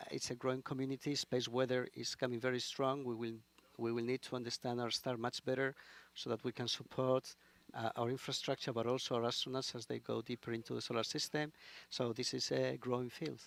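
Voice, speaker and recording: A man speaking as an expert guest in a live interview, with halting phrasing and repeated words. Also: mid-range voice, flat delivery, creaky. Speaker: space mission program manager, interview guest.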